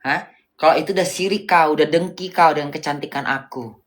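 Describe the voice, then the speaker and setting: A woman's voice: sits low, a little fast. A woman rants on a livestream in a blunt, coarse, scolding way, throwing rhetorical questions at her viewers. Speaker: livestream host. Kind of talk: casual livestream rant.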